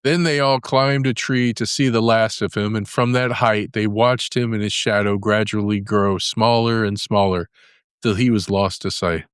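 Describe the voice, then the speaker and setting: A man's voice: fairly low pitch, fairly even intonation, normal speed, clean tone, no echo, studio quality. A man narrating a scripted fairy tale for young listeners as a storyteller.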